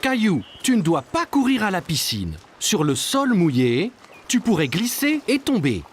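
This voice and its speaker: A man's voice: high-pitched, wildly swooping pitch, unhurried, faint music behind, exaggerated voice. An actor voicing a kind, reassuring father in a cartoon, explaining things patiently. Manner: gentle, explaining rules patiently.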